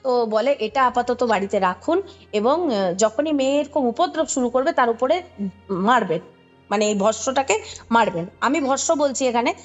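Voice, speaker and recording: A woman's voice: fairly high pitch, expressive, normal speed, dull audio, faint music behind. A woman with a Kolkata Bengali accent recounting a story conversationally, explaining as she goes and checking in with the listener. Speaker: podcast guest recounting a ghost story.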